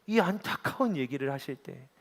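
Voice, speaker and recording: Male pastor with a high voice, earnest and emphatic sermon delivery, long reverb of a church hall. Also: animated, moderate pace, a bit bright. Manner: earnest, emotional storytelling with emphatic repetition.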